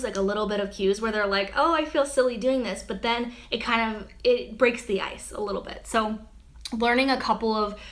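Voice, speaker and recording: Bright, chatty young woman on a live stream. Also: mid-range voice. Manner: chatty, many "um" and "like" fillers. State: losing her voice. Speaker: wedding photographer answering viewer questions.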